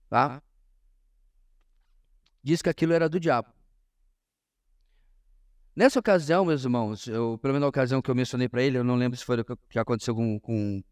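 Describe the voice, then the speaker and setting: A man with a Brazilian Portuguese accent teaches a church class as a pastor, in an informal sermon style, emphatic and often pausing to address his listeners directly. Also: mid-range voice, darkish tone. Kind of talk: informal sermon-like lesson to a congregation.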